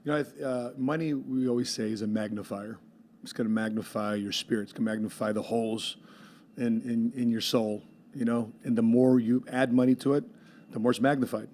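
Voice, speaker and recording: A man hosting a podcast in casual chat, rambling with many fillers and quick laughs. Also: mid-range voice, fairly even intonation, a little mellow, slight background noise. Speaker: podcast host.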